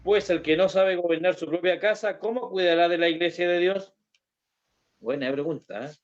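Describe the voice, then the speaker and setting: A man, a Bible study participant who reads verses in a halting way and comments. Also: high-pitched, dull audio. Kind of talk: reading scripture and discussing.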